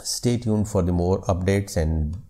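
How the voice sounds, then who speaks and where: A man with a South Asian English accent, native Urdu speaker, walking viewers through a screen-recorded tech tutorial with frequent filler pauses. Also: low-pitched, dark tone. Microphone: voice-over for screen recording.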